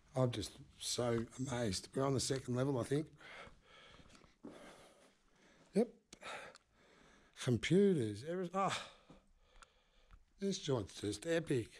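Against a quiet background, a man speaks at a fairly slow pace with long, frequent pauses and very wide pitch swings. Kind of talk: casual vlog commentary. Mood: excited, amazed. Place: office. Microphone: phone near.

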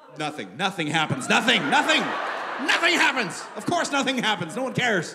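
A man's raised, projected voice, with very wide pitch swings, at a fairly quick pace over noticeable background noise. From Canada. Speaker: stand-up comedian. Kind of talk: stand-up comedy storytelling, acting out panicked inner monologue. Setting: stage with audience. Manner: animated, building to frantic mock-panic; does mimicking voices of characters and accents. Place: stage. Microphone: handheld.

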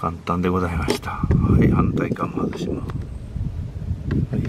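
The recording has loud background noise around a man's voice. The sound itself is dry, with no echo. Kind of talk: casual DIY commentary. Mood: relaxed, mutters to himself. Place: car. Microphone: phone near.

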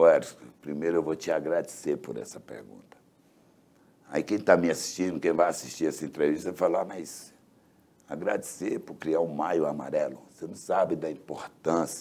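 Big swings in loudness from a man at a moderate pace. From Bahia, Brazil (rural Ipirá); Bahia, Brazil. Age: 50s. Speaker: city councillor; council guest. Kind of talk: interview. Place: studio.

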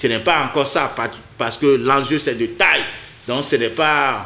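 At a fairly slow pace, a man speaks with a bright, sharp tone. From Benin. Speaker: local politician. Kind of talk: political speech. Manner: halting, many hesitations. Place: home room.

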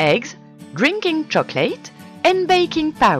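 Music plays in the background as a woman talks at a very slow pace. She has a French accent. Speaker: cooking video host. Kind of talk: recipe instructions voice-over.

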